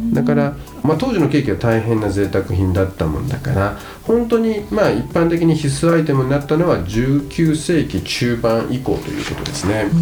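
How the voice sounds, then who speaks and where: Amid noticeable background noise and audible room echo, a man speaks with very wide pitch swings. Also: medium pitch for a man, moderate pace. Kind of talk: casual chat.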